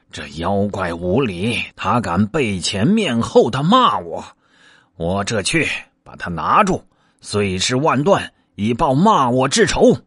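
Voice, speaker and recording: A man voicing a proud, quick-tempered male monkey king who speaks in a boastful, commanding way. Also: mid-range voice, a bit bright, slightly rough, no room sound, clean studio sound, exaggerated voice.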